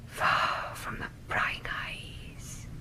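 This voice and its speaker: An actress playing an anxious, obsessive wife in a radio horror play, intense and dramatic. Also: female voice, extremely slow. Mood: dreamy, haunted. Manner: intense, dramatic, lapsing into whispers. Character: anxious, obsessive wife gripped by morbid fixation. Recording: noisy 1980s radio drama recording.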